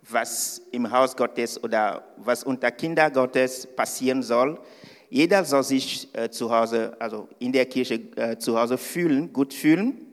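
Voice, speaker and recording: A man's voice: mid-range voice, long reverb tail. A man preaching as a guest at a church service, a little nervous and hesitant, with frequent fillers and restarts. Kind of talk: sermon.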